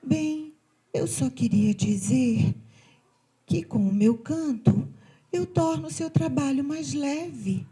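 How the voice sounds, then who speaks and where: A woman's voice: high voice, lively intonation, slow, soft background music, voice pushed up. A woman doing a meek, pleading cicada. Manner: gentle, pleading, soft-spoken. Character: meek, sweet female cicada singer, pleading.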